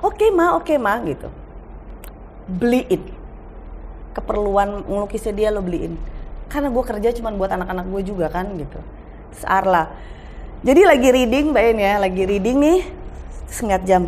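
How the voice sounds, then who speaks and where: A woman's voice: mid-range voice, normal speed, long pauses. A middle-aged woman talks as a guest on a talk show. She tells stories with energy and acts out family dialogue. There is faint noise in the background. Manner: animated storytelling, acting out family dialogue. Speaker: guest actress. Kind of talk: casual talk show chat.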